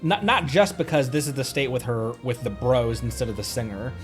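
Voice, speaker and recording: Streaming a video game, a man talks a little fast in a medium-pitched voice. He keeps up casual, rambling chat as he thinks aloud, with soft game music in the background.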